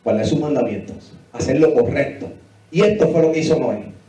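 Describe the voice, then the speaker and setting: A man's voice: mid-range voice, expressive, normal speed, warm tone, far from the mic. A man in his forties preaching a Bible teaching sermon, emphatic and repetitive, often asking the congregation questions. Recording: echoey hall, voice picked up from afar.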